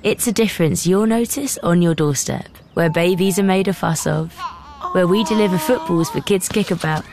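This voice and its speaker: A woman voicing a scripted advert with a polished, warm delivery. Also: fairly low pitch, moderate pace, a little hiss or hum. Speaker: advert voice-over. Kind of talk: scripted ad narration. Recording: music under the voice.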